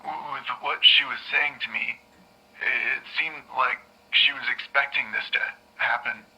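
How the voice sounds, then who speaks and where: An actor playing a shaken young man recounting a trauma on a tape recording, halting and stammering, sometimes dropping to a whisper. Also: medium pitch, sharp tone, slightly rough, heavily acted, poor audio. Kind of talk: audio drama narration.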